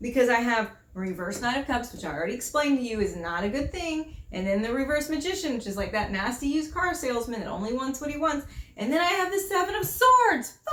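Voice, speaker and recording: Over noticeable background noise, a woman with an American accent talks very fast at a high pitch, her tone animated and her pitch swinging very widely. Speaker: tarot reader YouTuber. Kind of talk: tarot reading. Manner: casual, animated.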